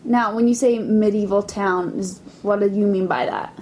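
Woman asking casual interview questions, middle pitch. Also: steady tone, moderate pace, a little mellow, a little hiss or hum, rough recording. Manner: curious, prompting questions.

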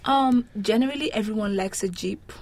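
A woman's voice: mid-range voice, moderate pace, a little mellow. A woman from Nigeria, talking casually and with wry humour as she answers interview questions. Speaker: interviewee describing her home country.

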